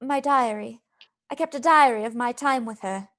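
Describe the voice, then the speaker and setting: Radio play: devoted young wife, high voice, gentle and sincere, theatrical delivery. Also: female voice, normal speed. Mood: sad, resolute. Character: gentle, loyal young wife, composed and caring. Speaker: actor in a live radio play. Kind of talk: theatrical radio drama acting.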